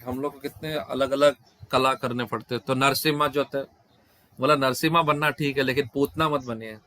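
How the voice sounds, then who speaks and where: A man's voice: mid-range voice, steady tone, moderate pace, sharp tone, no room sound. A man interpreting questions and answers at a devotional scripture class over an online video call, often breaking off and restarting words mid-phrase.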